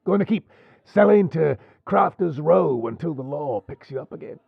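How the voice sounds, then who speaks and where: A man playing a wary, gruff pirate overlord in an audio drama, gravelly and husky, with a sardonic drawl. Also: a little high, expressive, normal speed, dry recording, lo-fi sound, full character voice. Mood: dryly amused. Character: wary, gruff male pirate overlord, dryly amused and menacing. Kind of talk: audio roleplay acting.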